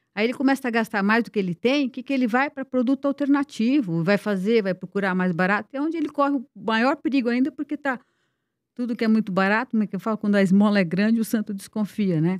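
Very fast and fairly high-pitched, a woman speaks with ordinary pitch variation, the sound dry with no echo and the background quiet. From Brazil. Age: 50s. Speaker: cardiologist; guest. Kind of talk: interview. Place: studio. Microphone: studio mic.

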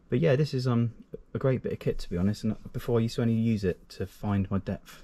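A man's somewhat breathy, very fast speech with ordinary pitch variation. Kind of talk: casual gear walkaround. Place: garden. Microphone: camera far.

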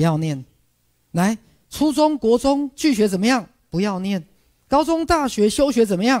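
In an animated tone, a man speaks at a moderate pace with long, frequent pauses, his extremely high pitch making very wide swings. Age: middle-aged. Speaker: psychiatrist and spiritual teacher. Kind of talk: public lecture. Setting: lecture hall with audience.

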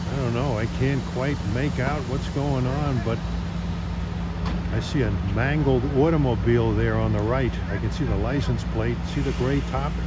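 Loud background noise surrounds speech delivered at a moderate pace. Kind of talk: casual commentary. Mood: surprised, concerned. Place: street. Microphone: phone near.

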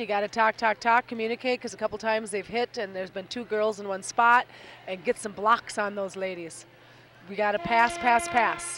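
Speaking at a moderate pace with ordinary pitch variation, a woman sounds excited, her fairly high voice bright and sharp, dry with no echo over light background noise. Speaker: color commentator and volleyball coach; color commentator, volleyball coach. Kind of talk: live sports commentary; sports commentary. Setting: gymnasium, live broadcast. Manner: brief, excited remarks on the play. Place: hall.

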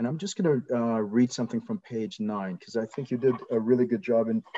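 This voice belongs to a man. It has a dark, mellow tone. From Jamaica (born in the Bahamas). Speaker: moderator, social worker; moderator. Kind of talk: interview. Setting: video call. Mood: warm, appreciative. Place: home room. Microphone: video call.

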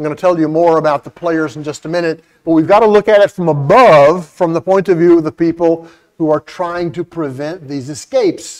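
With a Southern US accent, a man speaks at a high pitch with ordinary pitch variation over a quiet background. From US South. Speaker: history professor; visiting history professor. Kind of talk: lecture. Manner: slow. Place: meeting room.

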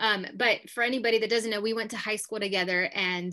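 A woman speaks against a quiet background. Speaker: podcast host. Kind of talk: casual chat. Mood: warm, appreciative. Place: home room. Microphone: video call.

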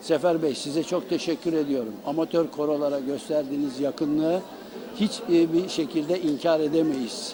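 Crowd noise fills the background as the voice moves at a moderate pace with ordinary pitch variation. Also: man. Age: 80s+. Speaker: choir conductor. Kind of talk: interview.

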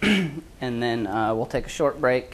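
A man at a fairly slow pace over light background noise. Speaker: presenter. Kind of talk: presentation to faculty. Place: classroom. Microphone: lapel.

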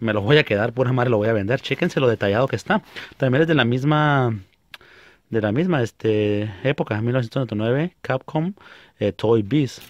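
A man with a Mexican accent speaks at a moderate pace, his loudness very even and his pitch variation ordinary, in a dry sound with no echo against a quiet background. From Mexico. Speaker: YouTuber and video game collector; YouTuber. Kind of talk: casual vlog monologue; casual vlog chat. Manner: animated. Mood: relaxed, joking, profane. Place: home room. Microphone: phone near.

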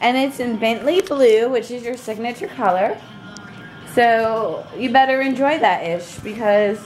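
Over faint background music, a woman speaks at a fairly slow pace. Her pitch varies in an ordinary way. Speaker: vlogger. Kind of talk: casual vlog chat.

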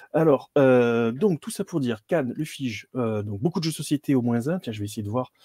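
A man's medium-pitched, dark, mellow voice at a fairly quick pace, with ordinary pitch variation, a dry sound with no echo and a quiet background. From Provence, southern France (Istres/Martigues). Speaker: tabletop RPG streamer. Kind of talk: casual live-stream chat. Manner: animated, laughs often. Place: home room.

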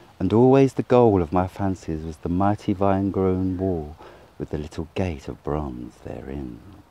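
A man speaks quietly and fairly slowly in a very deep, low voice with lively intonation, the sound dry with no echo. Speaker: reader. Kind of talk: literary audiobook reading, Lovecraft prose read aloud in a dreamy, atmospheric style. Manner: slow, measured and hushed, with languid, brooding, gothic delivery. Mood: calm, dreamy narration. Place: open country. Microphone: phone near.

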